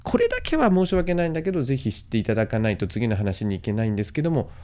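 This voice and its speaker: A man giving a relaxed podcast lecture, his pitch leaping up and down all the time. His voice is dark and mellow. He fills his talk with little fillers and tag endings, and he speaks straight to his listeners to keep them going. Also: rapid-fire. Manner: casual, with many fillers and sentence-final tags. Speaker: host and medical management lecturer.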